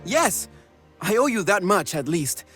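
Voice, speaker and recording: A man's voice: high-pitched, very animated, unhurried, a bit bright, slightly rough, faint music behind, full character voice. A man acting a lovesick, earnest young mercenary in a video game, melodramatic and formally spoken. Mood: humbly grateful.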